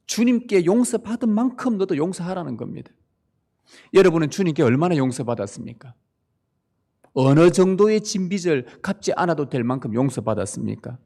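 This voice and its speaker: A man's voice: on the high side, animated, fairly quick, mellow. A male pastor giving a sermon, speaking emphatically and putting rhetorical questions to the congregation, in a church sanctuary.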